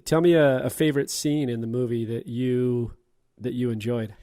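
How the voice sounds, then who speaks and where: A man's voice: medium pitch, steady tone, moderate pace, warm tone. Man chatting about a film. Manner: laughs while retelling scenes. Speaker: podcast host. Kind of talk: casual movie podcast chat.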